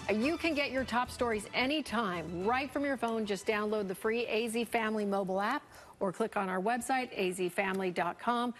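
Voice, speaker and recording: A woman with an American accent reading headlines as a local TV news anchor. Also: mid-range voice. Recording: music bed under broadcast voice.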